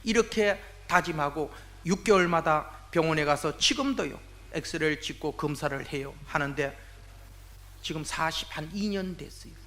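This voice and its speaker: A man in his sixties, a church elder giving a testimony sermon, telling his story in an animated way and acting out the voices of the people in it. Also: fairly high pitch, normal speed. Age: 60s.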